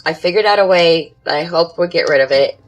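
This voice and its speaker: A woman's voice: on the low side, a little fast, rough recording. A woman guest on a podcast telling her own paranormal experiences conversationally, in short, matter-of-fact dramatic phrases. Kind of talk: conversational first-person storytelling.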